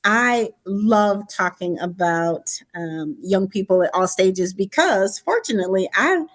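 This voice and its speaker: A middle-aged woman, a guest and school counselor, speaking reflectively and in a measured way in a podcast interview. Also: mid-range voice, lively intonation. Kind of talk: conversational interview.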